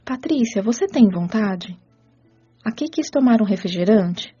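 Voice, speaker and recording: An actress playing a kind, patient spirit caretaker who explains rules in a measured, teacherly radio drama delivery. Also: female voice, medium pitch, lively intonation, warm tone, husky. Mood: patient, instructive. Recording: muffled audio with music underneath.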